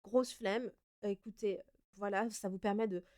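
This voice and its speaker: A young woman from France hosting her own podcast, answering listener questions in a relaxed, chatty way with frequent fillers and self-corrections. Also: medium pitch, moderate pace. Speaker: podcast host. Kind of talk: casual solo Q&A podcast.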